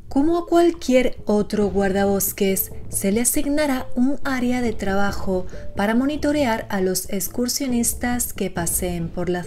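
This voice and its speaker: A woman's voice: medium pitch, mellow. A woman reading scripted narration as the narrator of an explainer video.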